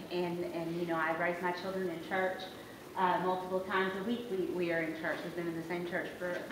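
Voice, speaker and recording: Amid noticeable background noise and audible room echo, a woman speaks with monotone, flat intonation. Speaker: state legislator. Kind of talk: talk to a community coalition meeting. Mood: earnest, personal. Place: meeting room. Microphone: camera far.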